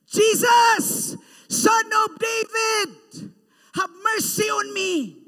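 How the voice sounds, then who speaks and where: Desperate blind beggar man, very high pleading shouts, ringing hall, as a man puts him on. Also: steady tone, extremely slow, gravelly, heavily acted. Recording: long church hall reverb.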